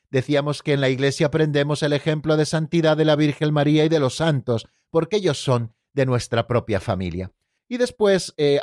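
A man hosts a Catholic radio program, walking his listeners through the catechism in an earnest, teacherly way. He addresses them directly as friends. His voice sits on the higher side and sounds dry and close. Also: a little mellow, dry recording.

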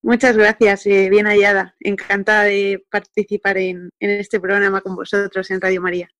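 A woman's voice: mid-range voice, little pitch movement, normal speed, a bit bright, no room sound. Thoughtful woman in her thirties, Peninsular Spanish. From Spain. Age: 30s. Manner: reflective, with frequent fillers and tag questions. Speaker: radio interview guest. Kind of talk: personal testimony in conversation.

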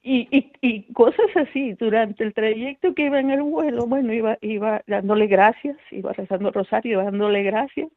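A woman's voice: fairly high pitch, no room sound. A middle-aged woman tells her story on a tinny phone line with no room sound at all. She talks with feeling and acts out the people she quotes. She calls herself a nervous, anxious person. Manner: self-described nervous, anxious speaker. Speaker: radio volunteer guest. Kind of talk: telling a personal story on a radio call. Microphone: telephone.

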